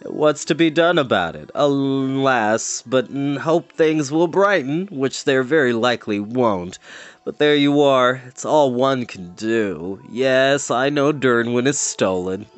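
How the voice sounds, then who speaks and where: A man voicing a melancholy, fretful fairy-folk creature with drawn-out, sighing, hesitant delivery in a storybook reading. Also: mid-range voice, animated. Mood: gloomy, resigned.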